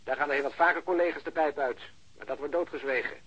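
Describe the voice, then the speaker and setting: A man playing a blunt, cynical policeman in a radio drama, talkative and sardonic, with a rough voice over a phone line. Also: on the high side, fast, a bit bright. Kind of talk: Dutch radio drama acting. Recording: muffled band-limited phone line.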